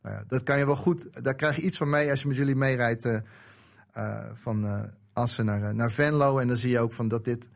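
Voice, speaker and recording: Fast-talking man telling football stories. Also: medium pitch, vocal fry. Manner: animated storytelling with frequent fillers. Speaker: book author guest. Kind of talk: casual football chat.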